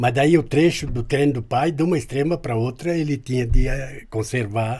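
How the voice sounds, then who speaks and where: A somewhat breathy man at a moderate pace. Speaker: farmer. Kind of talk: interview storytelling.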